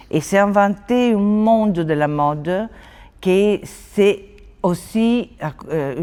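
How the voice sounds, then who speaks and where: A woman with an Italian accent, ordinary pitch variation, and a very clean recording over a silent background. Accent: Italian, sing-song. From Italy. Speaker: exhibition co-curator. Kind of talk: interview answer.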